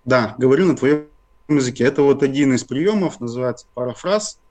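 A man's voice: mid-range voice, expressive, fairly quick, a little mellow. A young adult man, a guest in an interview, explaining communication techniques step by step with frequent hesitations and fillers. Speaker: guest expert.

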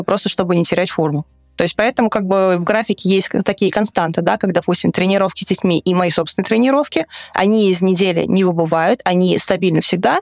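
A woman in her twenties from Russia, talking casually and at length as an interview guest, an animated storyteller in a recording studio. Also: medium pitch, gravelly, dry recording. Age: 20s. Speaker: interview guest, travel writer and swimming coach.

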